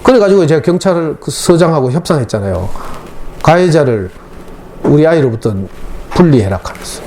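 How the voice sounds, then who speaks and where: Fast, lively middle-aged man with Gyeongsang accent. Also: on the high side, slight background noise. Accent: Gyeongsang Korean. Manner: emotional storytelling, dialect speech. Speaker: parenting lecturer. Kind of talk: lecture to parents. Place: school lecture hall.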